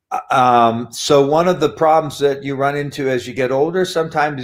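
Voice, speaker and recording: Speaking at a fairly quick pace, a man uses a plain, everyday voice with a medium pitch and ordinary pitch variation. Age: 60s. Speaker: plastic surgeon and bodybuilder. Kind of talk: interview.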